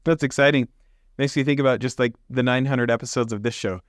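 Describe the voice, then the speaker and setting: A man hosting an interview show, reacting with excitement and asking casual follow-up questions. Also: medium pitch, fast talker, no room sound, studio quality. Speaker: podcast host.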